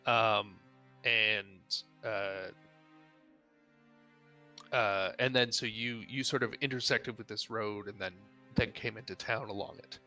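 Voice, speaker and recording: A man narrating as dungeon master of a tabletop game, halting and rambling with many fillers. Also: fairly low pitch, steady tone, sharp tone, soft background music.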